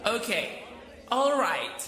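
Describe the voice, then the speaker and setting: A man playing a flamboyant, excitable gay best friend in a campy, gushing audio drama style. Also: very high-pitched, extremely slow, full character voice. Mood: showy, announcing. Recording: echoey hall with music, crowd.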